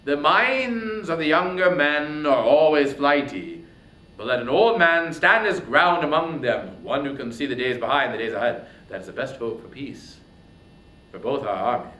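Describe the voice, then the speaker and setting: A man voicing a wronged warrior king, commanding, grave and bitter, in a loud, declamatory epic reading. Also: on the high side, lively intonation, normal speed. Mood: commanding, aggrieved. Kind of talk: dramatic reading of ancient epic poetry. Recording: roomy echo, distant mic, faint noise.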